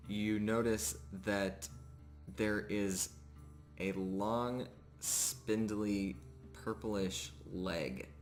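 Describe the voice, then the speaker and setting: A man runs a live tabletop roleplaying game, narrating as game master in a low voice and pausing often in the middle of his descriptions. There's background music.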